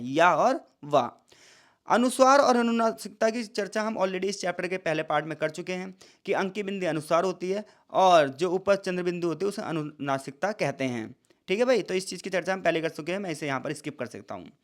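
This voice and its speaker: High-voiced man teaching casually. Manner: chatty, asks and answers own questions. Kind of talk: casual lecture.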